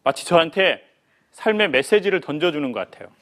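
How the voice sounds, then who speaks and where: Lively high-voiced male lecturer. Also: a little fast. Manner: animated, playful, acts out quoted voices. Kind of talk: humorous life lecture to an audience.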